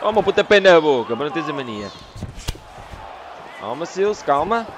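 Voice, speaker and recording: A man with a European Portuguese accent commentating his own video game fight, excitable, shouting at big hits and throwing in English swear words. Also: fairly high pitch, fairly quick, background noise. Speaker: gaming YouTuber. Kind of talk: let's-play commentary. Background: game music and fight sounds.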